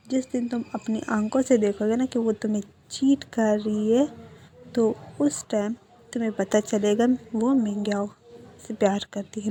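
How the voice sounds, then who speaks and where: A woman's voice: mid-range voice, dark tone, natural voice. Woman voicing an angry protective young friend. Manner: scolding, heated. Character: hot-tempered young male best friend, protective.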